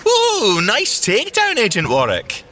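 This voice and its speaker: A man playing an excitable, playful, nerdy secret agent scientist in an audio drama, with a boyish, eager way of talking. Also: high voice, unhurried, music in the background, exaggerated voice. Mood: gleeful. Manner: boyish, eager, geeky, swooping delivery.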